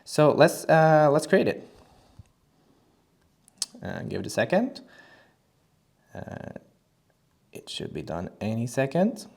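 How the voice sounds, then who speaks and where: A man presenting a casual screen-recorded software tutorial, talking in a relaxed way with frequent fillers and restarts. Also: medium pitch, slow pace, creaky, pauses often.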